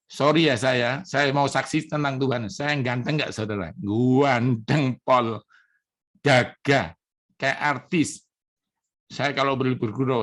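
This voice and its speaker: Addressing his congregation as brothers and sisters, a middle-aged pastor from Indonesia gives a heartfelt testimony sermon. He speaks with a medium-pitched voice of fairly bright tone.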